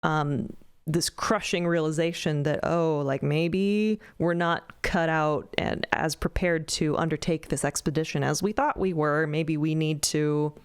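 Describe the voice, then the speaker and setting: A woman co-creator of an audio drama talking through the making of its first season in a casual roundtable, thoughtful and explaining with small pauses and fillers. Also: sits low, fairly even intonation, smooth. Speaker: podcast co-creator guest.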